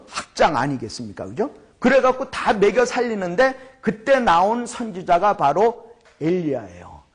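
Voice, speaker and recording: Animated man giving a Bible lecture. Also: high voice. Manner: animated, asks listeners for agreement, acts out quoted shouts.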